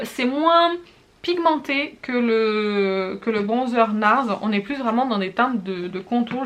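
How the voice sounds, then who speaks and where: A somewhat high-pitched woman talks through her makeup favourites in a relaxed review. She rambles in a friendly way, often hesitating and correcting herself as she tries products on camera. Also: slight background noise. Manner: chatty, frequent hesitations and self-corrections; demonstrates products while talking. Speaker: beauty vlogger.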